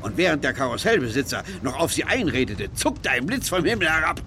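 An actor playing a dubious chauffeur who tells eerie tales in a suspenseful way, in a German radio play. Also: male voice, on the high side, sing-song, a little fast, sharp tone, slight background noise, exaggerated voice. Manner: suspenseful storytelling. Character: dubious chauffeur telling an eerie ghost tale. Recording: vehicle and outdoor sounds behind.

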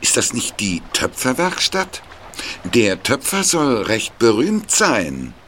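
A man's voice: medium pitch, wildly swooping pitch, slow pace, a bit bright, heavily acted. An actor playing a mysterious, campy angler who questions a boy with feigned friendliness in an audio drama. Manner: theatrical, camp, feigned casual friendliness.

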